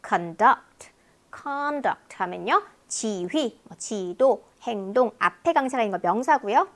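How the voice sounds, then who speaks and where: A woman teaching English listening in a lecture, explaining word pairs in a lively, talkative way. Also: on the high side, moderate pace.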